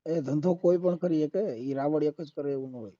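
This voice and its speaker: A man's voice: a little high, moderate pace, warm tone. A man with a Gujarati accent argues heatedly on a phone call, insistent and combative, pressing his points with repeated rhetorical questions. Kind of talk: heated argument over the phone. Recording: muffled lo-fi phone call recording.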